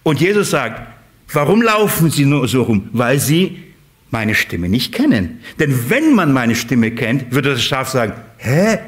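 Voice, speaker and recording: A man preaching a sermon to his congregation, lively, playfully acting out voices of shepherds and sheep, with his voice rising and dropping. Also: mid-range voice, measured pace.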